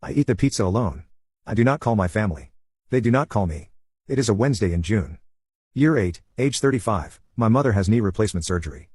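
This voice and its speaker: A man in his thirties from the United States reads a first-person story in a measured, deliberate way. His voice is low and husky, and the recording is dry and close with no room sound. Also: expressive, a little mellow, no room sound. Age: 30s. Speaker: narrator.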